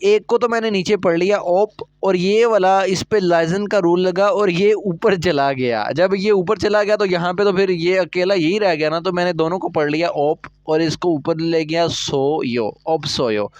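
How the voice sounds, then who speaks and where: A man's voice: sits high, normal speed, hardly any pauses, a little mellow, dry recording, dull audio. A man teaching a recorded Korean lesson, explaining step by step and often checking that students follow. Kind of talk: recorded language lecture.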